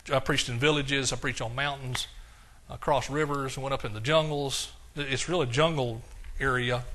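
A man's voice: mid-range voice, pushed and bright. An older man preaching a sermon, reading scripture aloud with rising emphasis and explaining it in a casual, conversational way.

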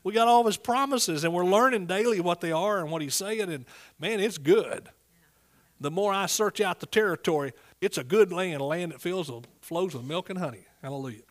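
Preacher, male, middle age. East Texas accent, pitch a little high, folksy and emphatic sermon style. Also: a little fast. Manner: folksy, emphatic, prompts listeners with amens and hallelujahs.

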